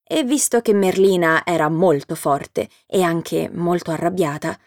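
A woman's voice: on the low side, unhurried, darkish tone, no room sound. Woman reading a children's story, dry sound. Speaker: narrator. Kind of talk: scripted storybook narration.

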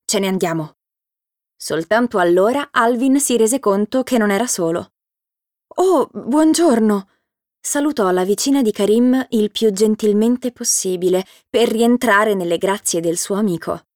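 A woman narrating a children's storybook in a steady, clear reading voice. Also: mid-range voice, moderate pace, no echo, clean studio sound.

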